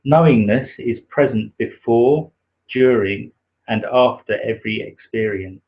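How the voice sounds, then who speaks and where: A soft-spoken man with a naturally quiet voice, hosting a livestream and slowly reading a spiritual text, with many pauses and fillers. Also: mid-range voice, slightly rough. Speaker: livestream host reading aloud. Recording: dull lo-fi livestream audio.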